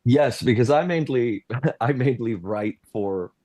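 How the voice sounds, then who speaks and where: A man's voice: medium pitch, expressive, unhurried, warm tone, no echo, studio quality. A man from Switzerland speaking as a panelist at a game convention, chatty and anecdotal.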